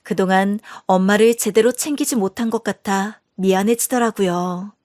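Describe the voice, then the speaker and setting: A woman's voice: mid-range voice, moderate pace, darkish tone, no room sound, clean studio sound. A woman narrating a scripted first-person story in an earnest, indignant storytelling manner.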